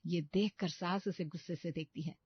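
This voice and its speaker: A woman's voice: lowish voice, steady tone, normal speed, breathy edge, no room sound. A woman giving scripted storytelling narration for a cartoon. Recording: dull lo-fi dry recording.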